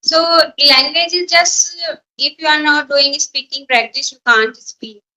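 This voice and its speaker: A woman teacher from a small village with an Indian accent, speaking English as a learner, her first language Hindi, pausing to search for words. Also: high-pitched, pushed and bright, low-quality recording. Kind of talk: English practice conversation.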